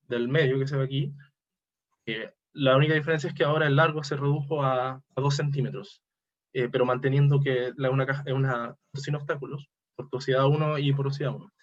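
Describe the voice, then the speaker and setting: A man presents technical material as an academic speaker. His voice sits at a medium pitch, and his delivery is hesitant, with frequent self-corrections. The recording is dull and lo-fi. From Chile. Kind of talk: technical conference presentation over slides.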